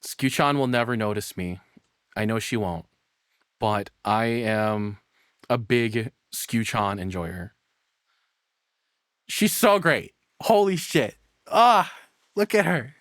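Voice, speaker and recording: A man's voice: medium pitch, animated, slow, pauses often, a bit bright, dry recording, studio quality. A man giving casual, crude and profane commentary as a streamer reacting to a video.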